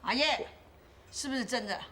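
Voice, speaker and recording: A woman's voice: fairly high pitch, normal speed, pushed and bright. An actress playing a scolding mother who nags her son and daughter-in-law in a TV drama. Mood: warning. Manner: nagging, scolding. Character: scolding older mother, fussy and protective. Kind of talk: TV drama acting.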